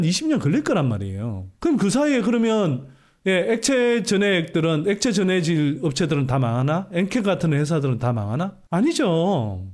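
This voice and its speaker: A man's voice: sits high, a little mellow. A male economics channel host giving investment commentary from a live stream, explaining and answering his own rhetorical questions with emphatic repetition. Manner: emphatic, leans on repeated phrases.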